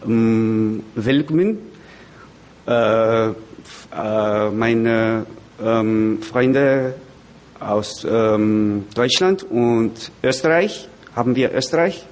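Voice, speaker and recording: A man speaks German slowly with an English accent, sharing personal testimony in front of a group. He searches for words in simple, halting phrases. There is light background noise. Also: lowish voice, a little mellow. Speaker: speaker at a recovery meeting. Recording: background noise, room ambience.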